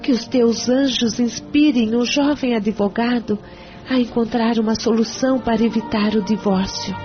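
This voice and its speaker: An actress playing a sorrowful young wife who prays and pleads in a chapel. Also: female voice, on the high side, fairly even intonation, moderate pace, over music, natural voice. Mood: pleading. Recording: dull lo-fi radio recording.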